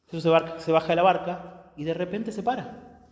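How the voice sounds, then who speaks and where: A man preaching a sermon as pastor, emphatic, swinging between loud declarations and hushed lines, often checking in with the congregation. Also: sits high, fairly quick. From Argentina. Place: church sanctuary. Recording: echoey church hall with long reverb.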